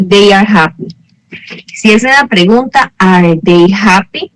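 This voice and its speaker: A woman's voice: medium pitch, no echo, poor audio. Patient woman teacher explaining. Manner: patient, explanatory, checks with "¿verdad?"; corrects herself mid-sentence. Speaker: English teacher. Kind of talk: online tutoring lesson.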